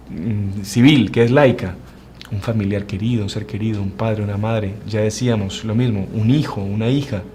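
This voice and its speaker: A Uruguayan religious brother preaches with earnest conviction, his voice sitting in an ordinary middle pitch. He presses some points slowly and rushes through others. A faint background hiss stays under the whole talk. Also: darkish tone. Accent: Uruguayan Spanish. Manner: earnest, preaching, speeds up and slows for emphasis. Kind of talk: spiritual formation talk.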